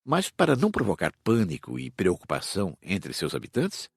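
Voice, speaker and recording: A man reading an audiobook in a measured, expressive way. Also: fairly low pitch, vocal fry, slightly rough, no echo, clean studio sound. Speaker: audiobook narrator.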